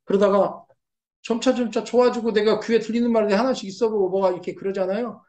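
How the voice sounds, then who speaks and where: A middle-aged man giving an explanatory lecture on old texts, repeating each term and acting out reactions in lively asides. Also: sits high, fast. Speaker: lecturer on classical fortune-telling texts. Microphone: seen on camera.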